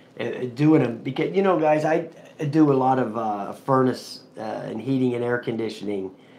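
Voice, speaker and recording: A man at a medium pitch with ordinary pitch variation and a moderate pace, over noticeable background noise. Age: 60s. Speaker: YouTuber reviewing quadcopters, heating technician. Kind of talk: casual live stream chat. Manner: casual, rambling with fillers.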